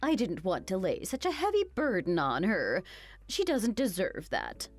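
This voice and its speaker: A woman voicing a cruel, greedy older mother-in-law who mocks and insults in an animated story. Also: mid-range voice, normal speed, soft background music. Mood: sneering. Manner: sneering, insulting, mocking.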